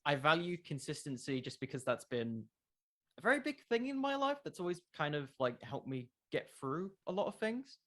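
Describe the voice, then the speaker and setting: A man's voice: a little high, big pitch swings, normal speed, bright, forceful tone. A man in his twenties chatting casually as an interview guest, thoughtful and informal, often hesitating and restarting with filler words. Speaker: podcast creator, interview guest.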